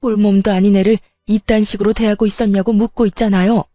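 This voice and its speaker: A woman's voice: medium pitch, flat delivery, quick pace, warm tone, no room sound, studio quality, soft background music, lightly acted. A woman voicing a stern, protective middle-aged mother confronting someone, in a story drama. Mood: indignant. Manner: stern, demanding.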